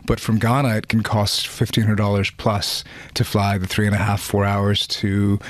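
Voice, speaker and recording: A man from Pakistan, a reporter, explaining his findings in a measured way in a news interview. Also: fairly low pitch, monotone, dry recording, clean studio sound.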